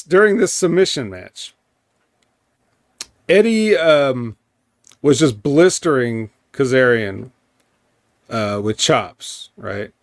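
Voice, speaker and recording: Man, podcast host, slow talker, rambling, sarcastic, dry close sound. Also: mid-range voice, dry recording. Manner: rambling, sarcastic, frequent ums. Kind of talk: casual wrestling recap chat.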